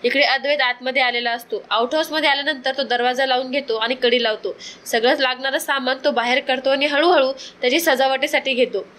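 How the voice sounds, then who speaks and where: Woman recap narrator, high-pitched and bright, storytelling with chatty asides. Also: fairly even intonation, fairly quick. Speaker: narrator of a serial episode recap.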